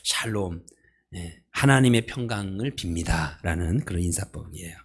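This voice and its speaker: In a church sanctuary, a male pastor preaches in a relaxed, playful way, laughing at his own jokes and putting questions to the congregation. His voice is low and expressive with a breathy edge, and he talks at a normal speed.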